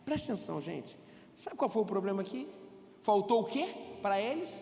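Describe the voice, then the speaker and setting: A Brazilian pastor preaching a sermon, animated, acting out the voices in his stories. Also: sits high, moderate pace, vocal fry, slight background noise. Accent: Brazilian Portuguese. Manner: animated preaching, acts out dialogue in story. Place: church hall. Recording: echoey hall, faint ambience.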